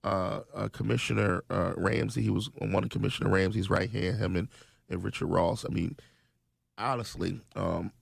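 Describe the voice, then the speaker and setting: Gravelly man, radio guest. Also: lowish voice, steady tone, moderate pace, dry recording, clean studio sound. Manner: earnest, many ums and restarts. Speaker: state legislator guest. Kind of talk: conversational radio interview. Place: radio studio.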